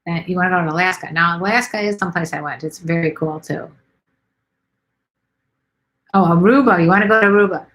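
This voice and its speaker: Reading viewer comments on her live stream, a middle-aged woman from Chicago rambles chattily, dropping plenty of ums and let's sees. She speaks briskly with frequent pauses, in a fairly low voice with a slightly bright edge.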